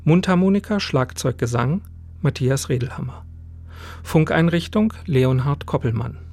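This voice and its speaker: A man's voice: fairly high pitch, animated, normal speed, gravelly, darkish tone, faint music behind. A man working as a radio announcer, reading scripted production credits in a studio. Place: dry broadcast studio.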